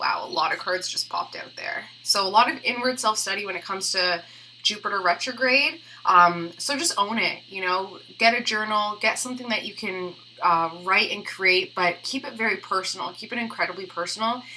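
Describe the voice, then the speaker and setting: Over noticeable background noise, a woman with a medium pitch speaks with lively intonation and big swings in loudness. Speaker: tarot reader. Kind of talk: tarot reading. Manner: fast; animated.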